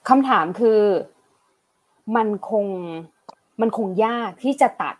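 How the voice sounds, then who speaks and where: A woman's voice: a little high, slow pace, slightly rough. A woman hosting an interview, asking questions and summing up her guest's points. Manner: asks questions, sums up with short acknowledgements. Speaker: host. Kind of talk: conversational interview.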